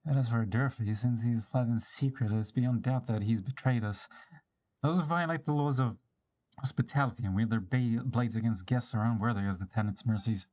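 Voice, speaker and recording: A man's voice: medium pitch, moderate pace, a little mellow, poor audio. A man live streaming a dramatic read-aloud of video game dialogue, acting out the lines and now and then stumbling over a word. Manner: theatrical, switches between character voices, stumbles and rereads lines. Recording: music behind the voice.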